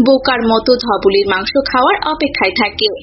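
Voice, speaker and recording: A woman's voice: a little high, lively intonation, a little fast, dull audio, a loud crowd. A woman narrating a scripted cartoon folk tale as a storyteller.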